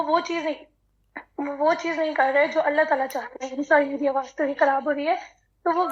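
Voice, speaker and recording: A woman's voice: sits high, dull audio. A woman caller asking an earnest, polite question over a remote line.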